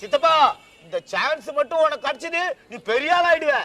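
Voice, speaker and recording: A man's voice: very high voice, expressive, brisk, pushed and bright, slight background noise. A man acting a cheeky schoolboy nephew in a comedy sketch, cracking jokes. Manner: cheeky wisecracks.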